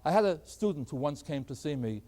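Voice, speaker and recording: Man, middle-aged math lecturer, fairly high voice, lively, emphatic, folksy classroom delivery. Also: fairly quick. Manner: animated, emphatic, folksy asides. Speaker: math professor.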